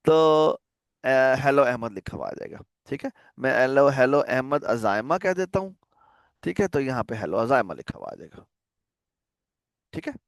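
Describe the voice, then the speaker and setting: Animated and medium-pitched, a man teaches a programming class on a video call at normal speed. He keeps the online lecture casual, frequently checking understanding with questions to his students. There's no echo, and the sound is studio quality.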